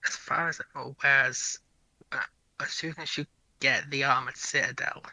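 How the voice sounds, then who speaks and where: A man's voice: mid-range voice, fairly even intonation, moderate pace, sharp tone, no echo, poor audio. A man on a panel in casual technical discussion, hedging and repeating the openings of his phrases.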